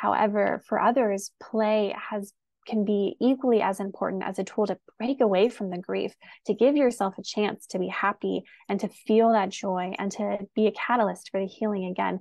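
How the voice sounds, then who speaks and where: At a moderate pace, a woman of medium pitch speaks in an unremarkable speaking voice with fairly even intonation. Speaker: webinar presenter on grief. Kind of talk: webinar lecture.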